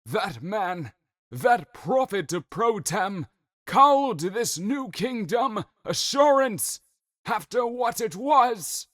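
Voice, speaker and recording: Man acting a high, fervent prophet's chronicler. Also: sing-song, takes it slowly, a bit bright, no echo, studio quality, heavily acted. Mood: fervent, reverent. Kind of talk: dramatic scripted narration.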